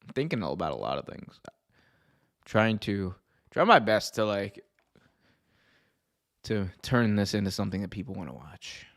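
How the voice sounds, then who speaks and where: A man's voice: fairly low pitch, very animated, moderate pace, pauses often, a bit bright. Slangy North American man hosting a livestream. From United States. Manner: slangy, profane, laughs often. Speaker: wrestling show host and livestreamer. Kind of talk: casual livestream chat reacting to viewer comments.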